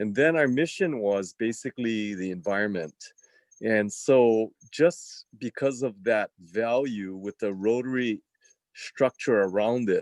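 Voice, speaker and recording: A plain, everyday voice speaks at a fairly slow pace with ordinary pitch variation in a dry, close sound with no echo. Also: man, medium pitch for a man. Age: 60s. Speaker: rotary club member. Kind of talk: video meeting discussion.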